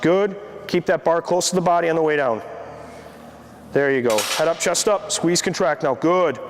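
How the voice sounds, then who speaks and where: A man's voice: on the high side, normal speed. A man coaching an exercise like an aerobics instructor, calling out short encouraging cues. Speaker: gym trainer, like an aerobics instructor coaching reps. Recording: echoey, noisy gym with long reverb.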